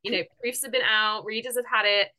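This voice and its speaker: Bright-voiced woman with a stuffy cold. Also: fairly high pitch, fairly even intonation, quick pace, rough recording. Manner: gushing, enthusiastic, laughs often. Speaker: podcast host. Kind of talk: casual interview chat.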